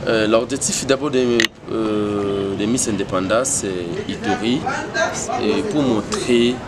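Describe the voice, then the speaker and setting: A man's voice: lowish voice, slow pace, heavy background noise. A young Congolese man, a pageant organizer, answering interview questions with many fillers and restarts. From Democratic Republic of the Congo. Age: young adult.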